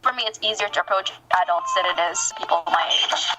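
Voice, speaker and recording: A woman's voice: mid-range voice, fairly quick, over loud music, low-quality recording. A young woman chatting casually and animatedly as an interview guest over an internet voice call. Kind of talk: casual chat.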